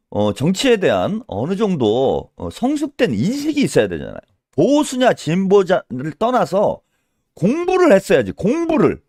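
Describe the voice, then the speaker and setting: A male political commentator delivers a solo rant in a scolding tone. He hammers home rhetorical questions with a pushy "eh?", and his pitch leaps up and down dramatically. The sound is close and dry, with no room echo. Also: a little mellow.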